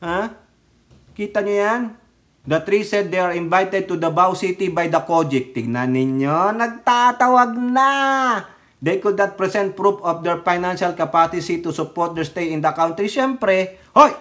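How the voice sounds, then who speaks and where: A man's voice: sits high, measured pace, fairly bright tone. A man delivering casual political commentary for his vlog, mocking and heckling his targets and talking straight to his viewers. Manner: often breaks into laughter. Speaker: political vlogger.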